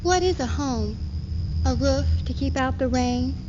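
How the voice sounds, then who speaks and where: A woman plays a devoted, pious housewife with a high voice. She declaims earnestly in a theatrical recitation, proud of hearth and home. The archival recording is muffled and has clear background noise. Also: unhurried. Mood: devout, tender. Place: live readers theater performance at a university. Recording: dull, noisy 1970s archival stage recording.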